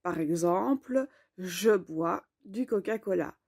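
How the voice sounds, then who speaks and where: Slow, patient woman teaching grammar. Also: lowish voice, lively intonation, a little mellow, no room sound, clean studio sound. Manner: slow, clear, explanatory. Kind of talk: online grammar lesson.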